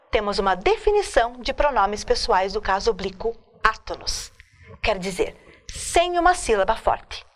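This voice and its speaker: A woman teacher giving a recorded grammar lesson, slowly and deliberately listing examples one by one at a board. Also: a little high. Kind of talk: video lecture on grammar.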